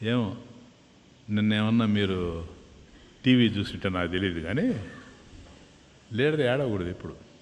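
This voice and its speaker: A middle-aged swami telling a story in a sermon, acting out the voices of its characters. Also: male voice, a little slow, pauses often. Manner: acts out the story's voices with lively pitch swings. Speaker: swami giving a discourse. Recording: long hall reverb.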